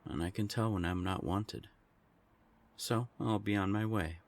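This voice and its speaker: Sardonic vampire envoy played by a man for audio drama: very low, creaky, condescending, formally spoken. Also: steady tone, measured pace. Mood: taunting. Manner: sardonic, taunting, formal phrasing. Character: sardonic non-binary vampire council envoy, smug and taunting. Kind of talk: scripted audio drama acting.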